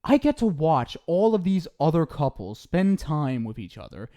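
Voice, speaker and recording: A man's voice: on the high side, very animated, normal speed, dark tone. A young man in an ASMR roleplay, scolding the listener in a teasing but caring way. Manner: scolding yet affectionate, playful teasing.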